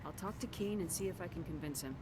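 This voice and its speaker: An actress playing a terse, no-nonsense military commander in a science fiction video game, with noisy rumbling ambience behind her. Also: quick pace, natural voice. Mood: curt, direct. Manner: terse, direct. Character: curt, no-nonsense female space commander.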